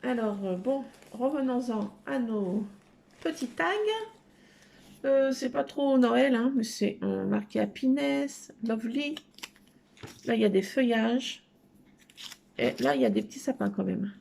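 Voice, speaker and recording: A middle-aged woman casually shows off her craft haul indoors at home, hesitant and using many fillers. Her slightly high, darkish voice has vocal fry, moving at a measured pace with long pauses.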